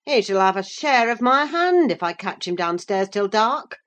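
A woman reading an audiobook, voicing an angry, bullying young man who shouts scornful threats. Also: lowish voice, animated, moderate pace, pitched above the performer's own voice, natural voice. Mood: furious.

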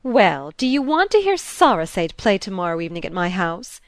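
A woman's voice: fairly low pitch, big pitch swings, moderate pace, creaky, no echo, clean studio sound. A woman voicing a flamboyant older society hostess with a round, rolling voice and a brash, effusive manner. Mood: gushing. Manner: effusive, brash, hail-fellow. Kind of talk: audiobook character voice.

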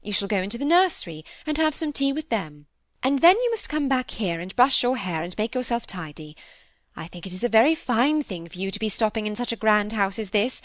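A woman's voice: fairly high pitch, very animated, a little fast, no room sound. A woman reading an audiobook, voicing a breezy, self-absorbed widow who chatters on in a lightly condescending way. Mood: chatty. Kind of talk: audiobook character voice.

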